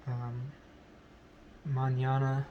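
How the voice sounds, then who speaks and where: A man whose first language is English, speaking in a halting vlog as a learner, full of pauses, ums and self-corrections. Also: mid-range voice, monotone, dull audio, slight background noise. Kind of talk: halting unscripted speech practice.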